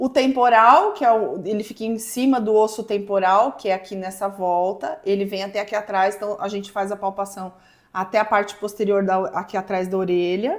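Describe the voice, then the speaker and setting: Speaking with an unremarkable speaking voice, this woman keeps a medium pitch and moderate pace, her intonation fairly even and her speech carrying hardly any pauses. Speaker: physiotherapist. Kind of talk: demonstration explaining anatomy.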